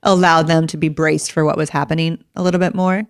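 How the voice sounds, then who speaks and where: Lowish-voiced woman co-host, earnest. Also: little pitch movement, no echo, clean studio sound. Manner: earnest, quick with jokes. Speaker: podcast co-host. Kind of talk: casual chat. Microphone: podcast studio mic.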